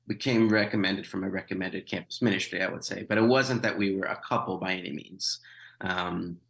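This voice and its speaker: Man in his 30s, low gravelly voice, hesitant storyteller with wry humor. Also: steady tone, a little fast, a bit bright, low-quality recording. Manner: hesitant, many fillers and restarts, wry. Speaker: missionary guest. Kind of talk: conversational interview.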